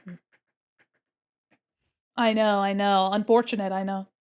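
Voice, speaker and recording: A woman's voice: mid-range voice, flat delivery, measured pace, smooth. Congested woman chatting while she draws. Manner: chatty, answers chat questions, murmurs to herself while working. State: congested from a cold. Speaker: art streamer. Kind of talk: casual chat with viewers while drawing.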